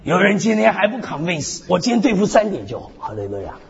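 Man preaching, lively swooping pitch, gravelly, humorous asides, long hall reverb. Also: fast talker, lo-fi sound, a crowd in the background. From North America resident. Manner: animated preaching, peppered with call-and-response hallelujahs; humorous, self-deprecating asides. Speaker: pastor. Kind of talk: sermon.

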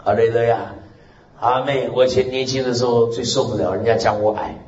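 A male pastor preaching a lively sermon with a loud, strong voice, exclaiming amen and hallelujah and laughing along. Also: mid-range voice, brisk. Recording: roomy, muffled recording with faint hiss.

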